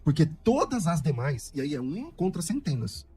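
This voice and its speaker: A man's voice: on the high side, very animated, moderate pace, dark tone. A Brazilian man, a pastor, arguing a point of scripture in a radio debate, emphatic and repeating himself as he builds his case. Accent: Brazilian Portuguese.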